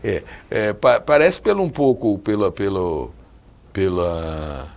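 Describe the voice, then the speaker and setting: A man's voice: lowish voice, very animated, takes it slowly, gravelly. A man in his sixties hosting a TV talk show, chatty and often restarting his sentences as he asks follow-up questions. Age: 60s. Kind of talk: casual interview chat.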